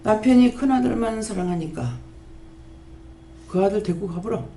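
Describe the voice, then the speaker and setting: A woman pastor, preaching a sermon and scolding with rapid-fire rhetorical questions. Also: mid-range voice, warm tone. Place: prayer house church. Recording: echoey church hall, faint background noise.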